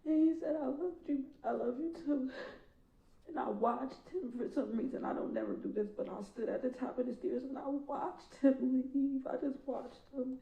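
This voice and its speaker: A woman's voice: high voice, moderate pace, gravelly, lo-fi sound. A middle-aged woman, a victim's mother, giving a raw, emotional impact statement in a courtroom and speaking straight to the defendant. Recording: echoey courtroom from far off.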